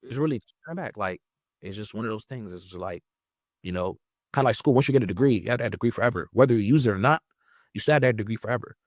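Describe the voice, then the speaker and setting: A man in his twenties, talking in a rambling, casual way, leaning on "like" with lively jumps in pitch. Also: fast talker, no echo, clean studio sound. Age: 20s. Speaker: guest. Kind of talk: casual interview chat.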